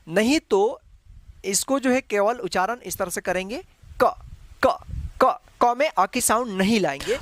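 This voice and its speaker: A man's voice: high-pitched, fairly bright tone, dry recording. A man teaching an online Hindi lesson, patient and repetitive, often leaning on the same small filler phrase. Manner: patient, repeats each letter several times; habitual filler "jo hai". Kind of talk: slow online language lesson.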